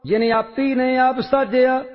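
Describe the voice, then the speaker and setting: A man intones sacred verses in a slow, measured, sing-song chant. His voice sits very high and unhurried, trailing into a long reverb. The recording is dull and lo-fi, with faint music underneath. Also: fairly even intonation. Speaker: scripture reciter. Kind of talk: slow chanted recitation of hymns.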